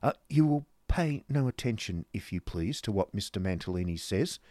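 A man's voice: on the low side, animated, normal speed, dark tone, no echo, studio quality, pitched above the performer's own voice, close to an everyday voice. A man voicing a haughty, businesslike married woman with a genteel, reproving manner in a storybook reading. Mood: brisk, firm.

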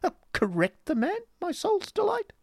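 Shrill, gushing, foppish husband. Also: male voice, huge pitch swings, moderate pace, creaky, a little mellow, no room sound, full character voice. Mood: wounded, gushing. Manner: theatrical, swooning, affected speech. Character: foppish, gushing, excitable husband with affected exclamations.

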